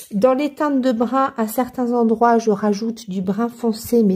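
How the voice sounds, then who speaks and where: The woman's voice is somewhat breathy, and her pace is very slow. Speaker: coloring vlogger. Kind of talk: casual vlog tutorial. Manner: hesitant, many fillers.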